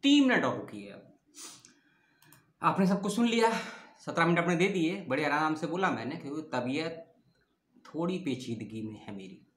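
A man's voice: on the high side, very animated, moderate pace, long pauses. A man hosting an education channel, talking casually as he reads out lists and corrects his own slips aloud. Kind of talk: casual informational talk reading out lists. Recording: roomy echo.

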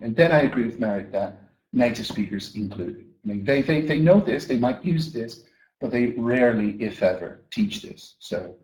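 Man giving an echoey conference talk. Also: on the low side. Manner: lively, asks the audience questions, repeats words when restarting. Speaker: teacher trainer giving a talk. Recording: echoey room.

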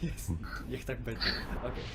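A man's voice: medium pitch, level tone, moderate pace, crowd noise. A man narrating an amateur comic parody dub in an informal, jokey way, slipping into casual banter.

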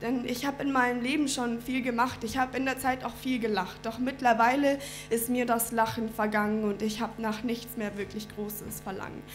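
A woman's voice: fairly high pitch, level tone, moderate pace, few pauses, soft background music. A young woman performing a rhymed slam poem on a small indoor stage at a stand mic, earnest and rhythmic, sometimes sinking to a near-whisper. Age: young adult. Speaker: slam poet. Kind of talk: rhymed spoken-word performance.

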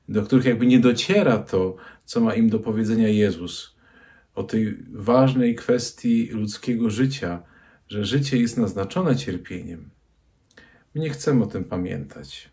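A man in his forties, a priest, giving a short reflective homily to the camera in a small room. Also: mid-range voice. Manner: slow, reflective, with soft hand gestures. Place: small room with a crucifix and bookshelves, indoors. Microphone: camera at close range.

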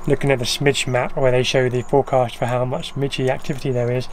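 A young man chatting casually on a campervan road-trip vlog, relaxed and rambling with fillers. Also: mid-range voice, fast, slight background noise. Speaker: travel vlogger.

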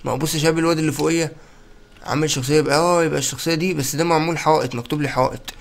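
A young man with an Egyptian Arabic accent giving excitable, chatty let's-play commentary and talking straight to his viewers. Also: fairly high pitch, very fast, creaky. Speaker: gaming YouTuber.

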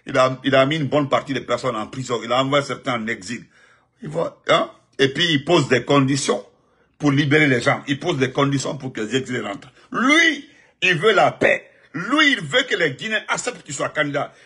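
A man delivering a heated, mocking political monologue, given to sudden high outbursts and laughter. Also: lively intonation, a little fast, bright, forceful tone, husky. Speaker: political commentator. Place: United States.

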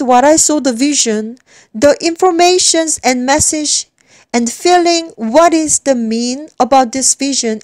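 A woman from South Korea with a Korean accent, giving an earnest religious testimony in halting English, often repeating and restarting words. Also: high-pitched, a little mellow, no room sound.

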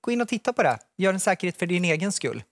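A pediatric specialist nurse in his thirties appears as a guest on a morning TV show, explaining things in a relaxed manner with many fillers. He has a high voice and was recorded on a lapel mic in a studio.

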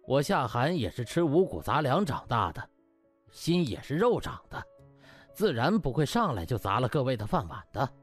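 A man's voice: medium pitch, sing-song, normal speed, slightly rough, soft background music. A man voicing a cold new hospital boss in an audiobook, smug and chuckling, speaking with condescending false friendliness. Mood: smug, falsely jovial.

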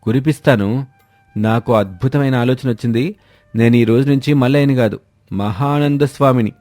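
A man's voice: medium pitch, moderate pace, darkish tone, no echo, lightly acted. A man playing a scheming idler husband who poses as a holy swami in a moral story, talking in a grandiose, persuasive, preachy way. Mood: scheming, boastful. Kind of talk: acted Telugu moral story dialogue. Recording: music behind a dry voice.

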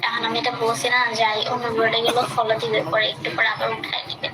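A woman's voice: on the high side, level tone, fast, heavy background noise. A woman chatting casually as host of a live stream, talking directly to her viewers. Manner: chatty, addresses viewers by name. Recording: loud music over the voice. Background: loud music.

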